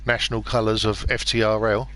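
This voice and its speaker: Bright-voiced jokey race commentator man. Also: lowish voice, level tone, a little fast, a little hiss or hum, poor audio. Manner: jokey, laughs often. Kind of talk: casual sim-racing commentary.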